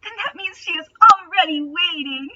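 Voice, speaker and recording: A woman voicing a grave, gentle male warrior in an earnest, solemn way, for a comic fan fiction reading. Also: extremely high pitch, normal speed, very noisy, voice pushed up. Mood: encouraging. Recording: dull, distant home microphone.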